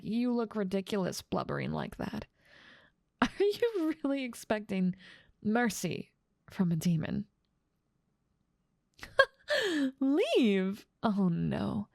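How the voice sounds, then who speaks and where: A woman's voice: mid-range voice, vocal fry, darkish tone, no room sound, clean studio sound, full character voice. A woman playing a haughty, dominant demon lord who mocks and teases the listener in a scripted ASMR roleplay. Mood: haughty, dismissive. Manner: dominant, amused, mocking, theatrical. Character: haughty, teasing female demon lord ruling part of hell.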